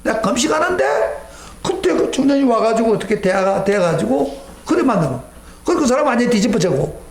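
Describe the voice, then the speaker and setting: A middle-aged man preaching a sermon as pastor, telling stories emphatically and acting out his own prayers, his voice sweeping from near shouts down to low asides. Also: very animated, fairly quick, echoey room. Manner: sweeping pitch, rising near a shout then dropping low. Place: church sanctuary.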